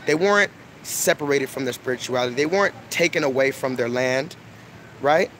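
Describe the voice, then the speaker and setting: A man's voice: medium pitch, moderate pace, fairly bright tone, low-quality recording. A young man lecturing emphatically to his online audience on a phone, repeating his points. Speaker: online video host. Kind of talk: preachy casual monologue. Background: street noise, crying children.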